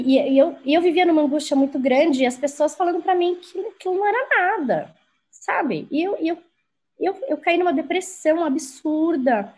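A woman's voice: sits high, warm tone. A woman telling a personal story frankly and with animation in a casual conversation, swearing freely. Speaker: guest.

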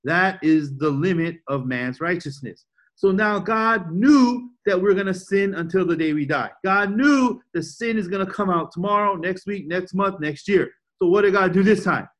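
High-voiced man preaching emphatically. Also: animated, moderate pace, a bit bright. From United States. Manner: emphatic, repeats points, asks the audience questions. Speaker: pastor. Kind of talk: sermon.

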